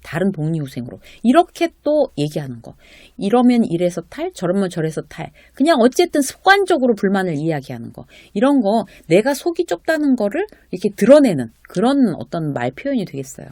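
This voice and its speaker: Lively-voiced woman giving a chatty lesson. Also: medium pitch, brisk, few pauses, no echo, studio quality. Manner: conversational, with rhetorical questions and acted-out quotes. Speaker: workplace lecturer and host. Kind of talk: casual spoken lecture to viewers.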